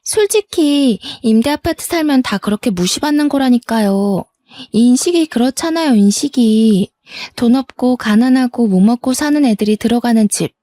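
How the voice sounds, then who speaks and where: A woman's voice: a little high, expressive, moderate pace, mellow, no echo, voice pushed up, close to an everyday voice. Woman putting on a sneering sister-in-law. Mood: scornful. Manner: scornful, laughing dismissively. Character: mocking, snobbish younger sister-in-law on the phone.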